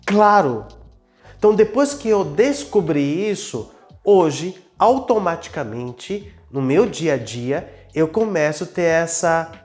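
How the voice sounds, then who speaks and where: A man's voice: a little high, lively intonation, takes it slowly, a little mellow, faint music behind. A man with a Brazilian Portuguese accent, a business owner sharing personal experiences in an earnest, casual conversation. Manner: earnest, personal, self-reflective storytelling.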